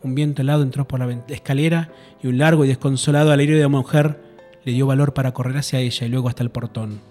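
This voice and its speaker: A man's voice: medium pitch, steady tone, warm tone, faint music behind. Man reading a horror tale with suspense. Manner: measured, suspenseful delivery. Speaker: radio host and narrator. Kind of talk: dramatic reading of a horror story.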